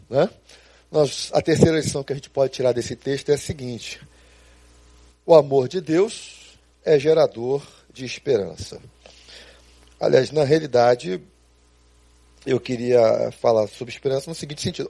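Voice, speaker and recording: A man preaching a sermon as a pastor, animated and storytelling, speaking straight to his listeners. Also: mid-range voice, vocal fry, breathy edge, no echo.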